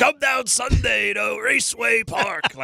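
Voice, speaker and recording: Shouting in a put-on character voice, a man delivers his lines at a fairly slow pace. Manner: loud, bombastic announcer delivery.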